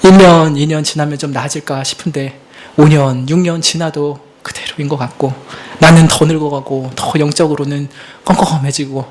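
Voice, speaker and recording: Male pastor, thirties, earnest sermon, hushed then emphatic, confessional. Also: fairly high pitch, fairly even intonation, moderate pace.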